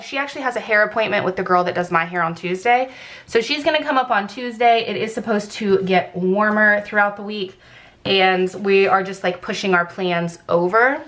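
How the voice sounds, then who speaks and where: A woman talks casually to her viewers as she would in a craft video. Her nose sounds completely blocked, giving her speech a congested sound with a slight scratch in the throat. Her pitch is average, and she rambles informally from one thought to the next. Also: fairly bright tone. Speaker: planner vlogger.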